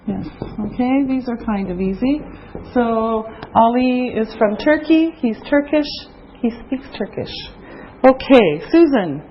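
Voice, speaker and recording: A woman teaching an English class, speaking clearly and patiently to the learners. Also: fairly high pitch, expressive, slow, dull audio, slight background noise. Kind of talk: slow classroom instruction.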